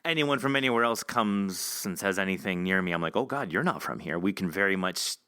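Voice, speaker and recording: A Californian podcast host and interviewer, this American man speaks low and expressively, his delivery pushed and bright. He's chatty, joking and quick to laugh as he runs a casual interview. The studio-quality recording is clean, with no room sound.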